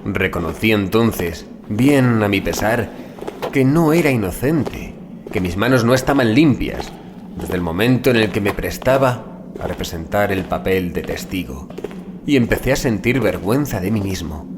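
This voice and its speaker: A man with a fairly low voice narrates a scripted horror audiobook in an animated but grave, deliberate style, letting phrase endings trail long. Music plays beneath him, and background noise is present.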